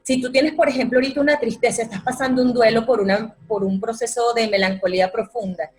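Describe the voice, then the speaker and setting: A woman, a yoga teacher calmly explaining her practice in an interview. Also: a little high, fast. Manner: calm, explanatory, repeats words for emphasis. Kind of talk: interview answer.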